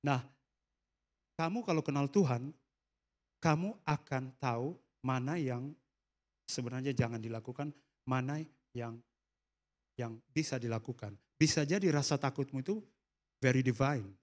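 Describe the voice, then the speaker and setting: A man's voice: medium pitch, normal speed, long pauses. A man with an Indonesian accent preaching a sermon, telling a personal story and slipping English phrases into his talk. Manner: storytelling, mixing in English phrases, acting out quoted dialogue softly. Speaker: pastor. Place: church service hall.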